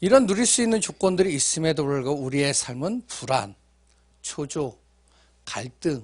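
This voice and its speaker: Very wide pitch swings mark a man's fairly high voice, delivered at a moderate pace. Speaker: pastor. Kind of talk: sermon. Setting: church.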